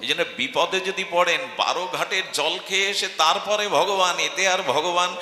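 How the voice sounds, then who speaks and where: A man's voice: high-pitched, normal speed, pushed and bright, slight background noise. A man giving a devotional sermon, telling stories and asking rhetorical questions. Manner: storytelling, asks rhetorical questions. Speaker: preacher. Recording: echoey hall.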